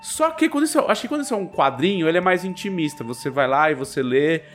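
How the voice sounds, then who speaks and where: A man's voice: on the high side, fast talker, soft background music. A man with a Brazilian accent co-hosting a podcast in casual chat, telling stories animatedly and slipping into slang. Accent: Brazilian Portuguese. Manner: animated storytelling, quoting others in raised voice; slangy, frequent fillers. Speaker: podcast co-host.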